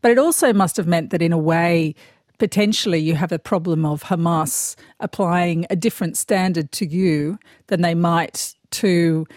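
A woman interviewer asking long, measured questions. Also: on the low side, a little mellow, no echo, clean studio sound.

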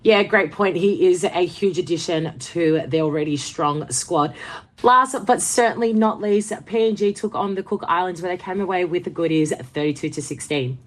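A woman's voice: on the low side, normal speed. A woman hosting a sports podcast, upbeat, reading neat segues. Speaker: host.

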